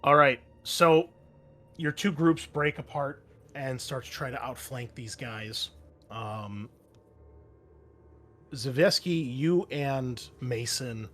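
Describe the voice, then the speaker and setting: A man narrating a tabletop game as game master, talking to his players in a halting, conversational way. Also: medium pitch, a bit bright. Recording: music behind the voice. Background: background music.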